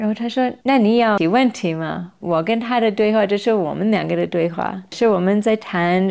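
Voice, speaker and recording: With an English accent and ordinary pitch variation, a woman speaks on a very clean recording with a silent background. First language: English (speaking Chinese). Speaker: anthropologist. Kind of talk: casual chat. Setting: late-night recording at a lake.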